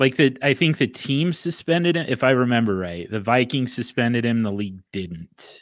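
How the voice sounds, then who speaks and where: This man has a normal speaking voice at a medium pitch, with lively intonation and a moderate pace. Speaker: podcast host. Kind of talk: casual banter, fantasy football podcast. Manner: jokey, opinionated.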